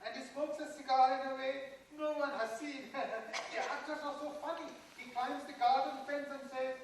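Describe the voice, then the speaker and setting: A woman acting an excitable, gushing theatregoer in a dramatised play reading. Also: high voice, moderate pace. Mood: amused, delighted. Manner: gushing, breathless enthusiasm. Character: excitable, giggly theatregoer retelling a farce. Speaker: stage actor. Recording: echoey hall, distant mic, faint noise.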